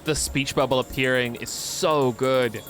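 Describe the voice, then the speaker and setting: A man's voice: mid-range voice, fairly even intonation, unhurried, a bit bright, soft background music. A man chatting casually as a game co-streamer, reacting to what is on screen.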